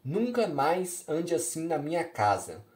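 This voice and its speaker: A man reading a novel aloud and voicing a furious mother who shouts at her grown daughter, then turns drained and quiet. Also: fairly high pitch, very animated, a little slow, voice pushed up. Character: furious mother of a young woman.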